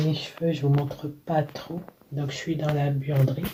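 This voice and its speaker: Soft-spoken, a woman talks at a very slow pace with a very deep, low pitch. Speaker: childminder vlogger. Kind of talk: casual vlog. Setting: at home, laundry room. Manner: hesitant.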